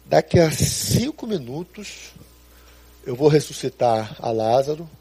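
A preacher voicing a calm, patient adult male teacher who explains unhurriedly. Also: a little high, unhurried, husky, dry recording, heavily acted.

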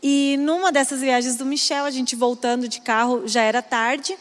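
A woman's voice: high-pitched, fairly even intonation, normal speed, in a large hall. A woman sharing a heartfelt family story as co-host of a talk with her husband. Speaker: pastor's wife, co-host.

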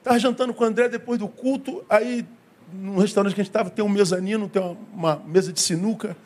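A male pastor with a Brazilian Portuguese accent and a high, darkish-toned voice preaches quickly with fairly even intonation. He tells a story in his sermon, acting out dialogue and repeating phrases often.

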